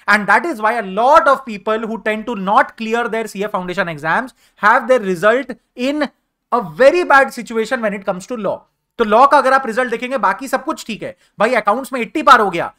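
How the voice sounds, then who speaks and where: A man's voice: extremely high pitch, sharp tone. A young adult man with an Indian accent giving an exam revision lecture, chatty and switching freely between Hindi and English. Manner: chatty, mixes Hindi and English, calls listeners brother. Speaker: teacher.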